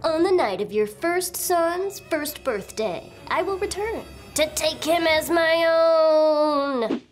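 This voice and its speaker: Little old storybook elf, woman performer: high voice, slow, taunting bargainer, sly and gloating. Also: lively intonation. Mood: menacing. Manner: taunting, bargaining, drawn-out delivery. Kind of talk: children's storytelling. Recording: music behind the voice.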